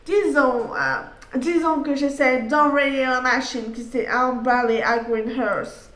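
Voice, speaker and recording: A slippery, theatrical schemer, as a woman puts him on, talking smoothly and dodging every question. The voice sits high and bright, and it rings out in a roomy space. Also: fairly even intonation, slow, heavily acted. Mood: evasive. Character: sly scheming male hotel guest.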